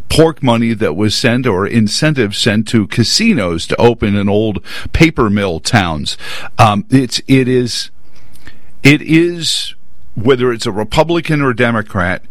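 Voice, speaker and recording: A man's voice: medium pitch, dry recording, studio quality. A man hosting talk radio, giving rambling, indignant commentary full of restarts.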